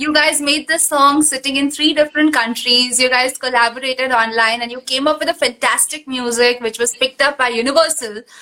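Over noticeable background noise, a woman with an Indian accent speaks in a raised, projected, high-pitched voice at a fairly quick pace, animated in tone and with hardly any pauses. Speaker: podcast host. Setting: video call.

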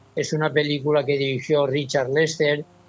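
Somewhat breathy, a man's voice comes through. His intonation stays monotone and flat. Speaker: film director. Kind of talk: interview. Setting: phone call. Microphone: distant, sounded far away at first.

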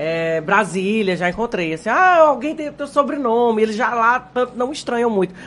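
A woman in a Piauí accent, fairly high-pitched with very wide pitch swings, at a moderate pace with hardly any pauses. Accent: Piauí accent, sing-song. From Piauí, Brazil (Teresina). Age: 40s. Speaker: journalist and blogger. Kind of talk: podcast interview.

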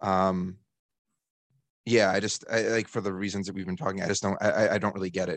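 A man's fairly low, monotone, flat voice at a fairly quick pace, with long, frequent pauses against a quiet background. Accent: American. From New Jersey. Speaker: podcast co-host, marketer. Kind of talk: casual chat.

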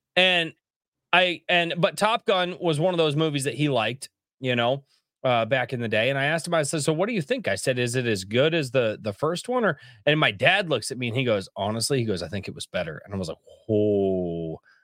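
A man with an American accent talks at a fairly quick pace and a medium pitch, with very wide pitch swings. The recording is very clean with a silent background, and the sound is dry and close with no echo. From Colorado. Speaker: indie comics creator. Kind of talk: casual chat.

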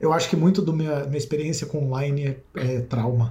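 The voice has a dark, mellow tone, is somewhat breathy and shows ordinary pitch variation. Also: man. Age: 30s. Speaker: communications manager and former journalist. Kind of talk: interview. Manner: animated.

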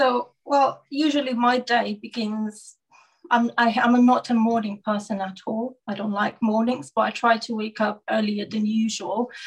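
A woman speaks at a fairly high pitch and a moderate pace. Her voice is somewhat breathy, with fairly even intonation. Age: 20s. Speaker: personal trainer. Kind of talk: interview.

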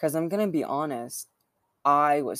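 A woman with a very deep, low pitch talks at a fairly slow pace, the sound dry and close with no echo and the recording very clean against a silent background. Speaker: podcaster, cancer survivor. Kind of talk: personal monologue podcast. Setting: outdoors, built-in laptop microphone. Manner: halting, many fillers like um and like.

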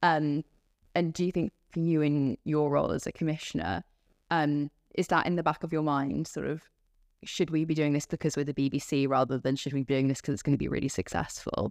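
A woman with a British accent and a very deep, low pitch, at a fairly quick pace with ordinary pitch variation, dry and close with no echo, over a quiet background. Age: 20s. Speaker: student podcast host. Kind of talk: interview conversation.

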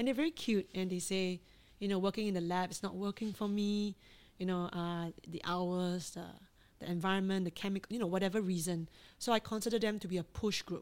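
A woman's medium-pitched, fairly quick delivery with fairly even intonation and an ordinary speaking voice. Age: 30s. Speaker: podcast host, scientist turned media entrepreneur. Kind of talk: interview.

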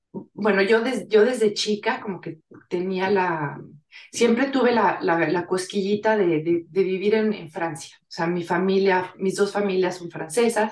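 Her pitch is medium, with ordinary variation. The woman speaks at a fairly slow pace. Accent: Mexican. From Mexico. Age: 40s. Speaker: emigrant mother. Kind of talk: interview. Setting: video call.

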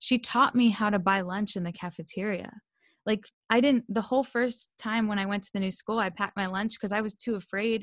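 Fairly quick and fairly high, a woman with an American accent speaks in a plain, everyday voice with fairly even intonation, dry and close with no echo on a very clean recording with a silent background. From US, Delaware. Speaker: brain injury survivor, singer and speaker. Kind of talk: interview testimony. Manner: casual, conversational.

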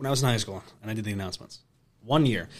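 This is a man speaking. He has an American accent. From Rochester area, New York. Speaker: podcast co-host. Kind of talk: casual chat. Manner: animated.

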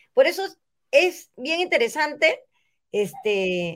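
Her pitch swings very widely as the woman speaks. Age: 60s. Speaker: congresswoman. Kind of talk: interview.

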